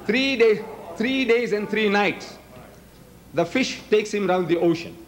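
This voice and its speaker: A man's voice: sits high, measured pace. Emphatic older man debating at a podium. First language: Gujarati. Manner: emphatic, rhetorical questioning. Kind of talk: public debate speech. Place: large hall with audience. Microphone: podium microphones.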